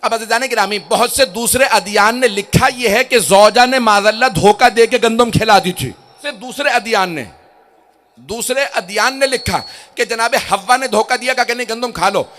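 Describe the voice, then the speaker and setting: A man preaching an impassioned sermon to a gathering, dropping to quiet asides and then building to loud, drawn-out shouted climaxes. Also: very high voice. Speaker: Shia cleric giving a religious lecture. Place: gathering before a crowd.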